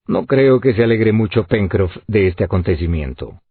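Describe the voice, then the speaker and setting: A man's voice: fairly low pitch, lively intonation, normal speed, slightly rough, dry recording. A man voicing an earnest, polite young hunter in a tinny, lo-fi audiobook recording.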